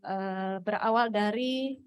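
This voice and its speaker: A woman's voice: medium pitch, slow, clear, resonant tone, no room sound. A woman, nervous and speaking to a large crowd for the first time, giving a personal testimony at a Christian fellowship. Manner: nervous, with a shy laugh. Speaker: testimony speaker, wife of the previous speaker.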